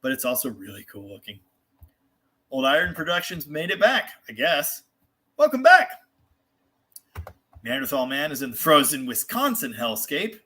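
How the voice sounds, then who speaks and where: An American man with a bright, forward voice at a middle pitch hosts a casual livestream. He rambles candidly through replies to viewers and is quick to poke fun at himself. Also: very animated, husky. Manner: rambling, candid, self-deprecating; mild swearing. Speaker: host of a live car show. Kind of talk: casual livestream chat, answering viewer comments.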